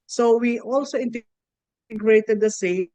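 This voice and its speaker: A woman mayor from the Philippines, speaking in halting, formal phrases on a video call while her audio keeps cutting in and out. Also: fairly high pitch, warm tone, no room sound, highs cut off. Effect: audio cutting in and out from a bad connection. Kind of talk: sharing experience on a video call.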